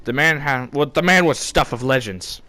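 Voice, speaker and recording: A man's voice: medium pitch, normal speed, pushed and bright. A man narrating a comedic story in an informal, first-person storyteller style.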